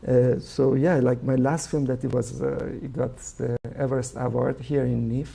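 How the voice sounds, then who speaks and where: A man from Iran speaks with a Persian accent in a very dark, gravelly voice that has a husky edge. He pauses often and muses his way through answers as an interview guest. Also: medium pitch, flat delivery. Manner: thoughtful, halting, frequent uh fillers. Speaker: filmmaker guest.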